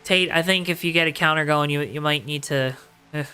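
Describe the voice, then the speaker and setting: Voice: mid-range voice, a little fast, bright, forceful tone, clear, resonant tone, faint music behind. A motorsport commentator calling a race live, with dramatic, emphatic repetition and colorful phrasing. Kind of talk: live play-by-play racing commentary.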